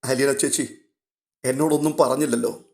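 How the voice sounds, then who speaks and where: A man's voice: medium pitch, steady tone, normal speed, a little mellow, close to an everyday voice. A man playing a remorseful young man who is a younger brother, pleading in a broken voice.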